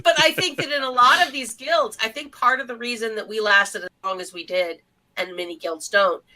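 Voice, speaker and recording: A woman's voice: a little high, normal speed, pushed and bright, poor audio. A woman co-hosting a podcast, talking casually and reflectively from experience in an emphatic, opinionated way. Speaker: podcast co-host. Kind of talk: casual opinionated group discussion.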